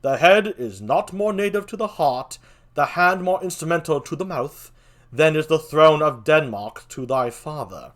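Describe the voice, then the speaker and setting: Commanding king read by a man, genial, declamatory, very animated intonation, classical stage verse. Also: on the high side, normal speed. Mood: regal, commanding. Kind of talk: theatrical Shakespeare reading.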